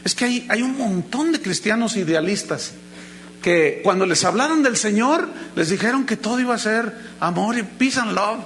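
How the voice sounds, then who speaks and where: A Mexican man preaching a sermon as pastor, emphatic, stretching key words slowly and acting out anecdotes in quoted voices. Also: high voice, expressive, fairly bright tone, slight background noise. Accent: Mexican Spanish.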